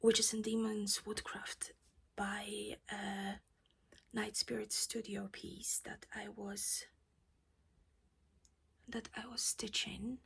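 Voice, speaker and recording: A woman's voice: medium pitch, little pitch movement, slow, creaky, long pauses, fairly bright tone, husky. A woman whispering her way through a casual cross-stitch project chat at home while losing her voice.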